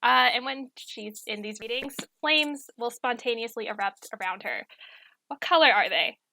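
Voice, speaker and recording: A woman's voice: on the high side, normal speed, gravelly, bright, forceful tone, a little hiss or hum. A woman running a casual quiz over a video call, explaining hesitantly and correcting herself as she goes. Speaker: story editor acting as trivia quizmaster. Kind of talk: casual, unscripted quiz hosting. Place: indoors on an online video call.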